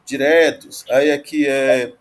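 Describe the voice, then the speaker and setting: A man's voice: mid-range voice, steady tone. A man teaching a grammar lesson, explaining patiently and checking in with frequent tag questions. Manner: explanatory, frequent "né?" tag questions, slow spelled-out word forms. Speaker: Greek teacher.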